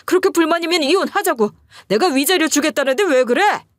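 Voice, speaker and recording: A woman voicing a brazen middle-aged man who shouts defiantly at his wife. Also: high voice, lively intonation, fairly quick, no echo, clean studio sound, voice pushed up.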